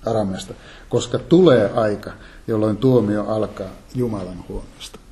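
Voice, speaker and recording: A man giving a calm, measured Bible teaching sermon, reading and explaining scripture. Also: lowish voice. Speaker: preacher.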